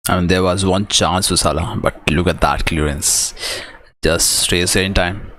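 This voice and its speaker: A man with a very low-pitched voice and a South Asian accent hosts a live football stream. He calls the play in short, clipped fragments, mixing commentary with casual watch-along remarks. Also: fairly even intonation, unhurried, a bit bright, no echo.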